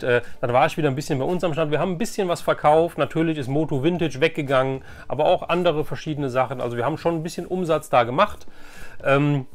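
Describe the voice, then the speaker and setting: A middle-aged man hosting a casual, chatty toy-collecting vlog in a rambling, enthusiastic way. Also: fairly high pitch. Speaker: host of a vintage toy collecting channel. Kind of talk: casual chatty flea market haul vlog. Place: room at home.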